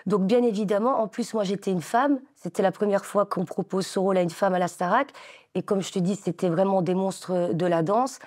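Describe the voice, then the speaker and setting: Brief: woman, 40s, dance teacher being interviewed, eager but halting delivery, middle pitch. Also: fairly even intonation, darkish tone. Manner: hesitant, many fillers, enthusiastic. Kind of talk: interview answers.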